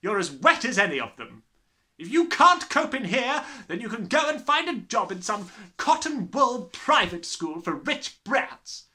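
A man voicing a harsh, sneering, bullying middle-aged headmistress in a children's storybook, with snapping, drawn-out emphasis. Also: sits high, bright, forceful tone, voice pushed up, full character voice. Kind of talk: dramatised children's storybook reading.

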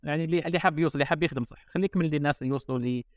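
A man's voice: on the high side, racing, dry recording, clean studio sound. A man with an Algerian Arabic accent, a designer guest chatting casually on a podcast and mixing in English and French words. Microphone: remote call.

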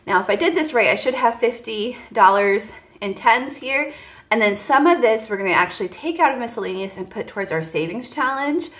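A woman's voice: fairly high pitch, expressive, brisk, fairly bright tone, roomy sound. A woman in her forties, chatting casually to viewers about her budget while counting cash at a table. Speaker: budgeting vlogger. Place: indoors at a table. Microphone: voice heard over top-down table camera, hands only.

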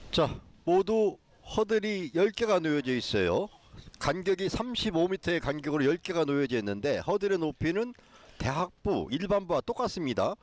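A man's voice: a little high, very animated, moderate pace. A man giving live athletics commentary as an analyst, explaining things with emphasis.

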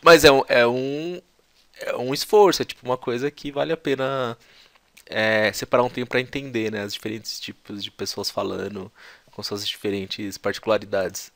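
A Brazilian-accented man talks through an English lesson in a loose, slangy, conversational manner. His voice sits at an ordinary middle pitch, recorded dry and close with no room sound. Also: fairly even intonation, normal speed, vocal fry, fairly bright tone, no echo. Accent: Brazilian Portuguese. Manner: slangy, chatty, breaks into English imitations. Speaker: English teacher. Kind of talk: casual explanatory lesson.

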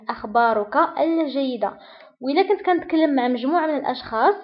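A woman teaching French phrases. She reads the quickly and repeats each French phrase slowly. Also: high voice, highs cut off. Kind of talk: French lesson for Arabic speakers.

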